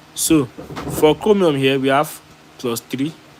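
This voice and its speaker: A man's medium-pitched voice with ordinary pitch variation, against noticeable background noise. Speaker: chemistry tutor. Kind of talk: livestream lesson. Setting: livestream. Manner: fast.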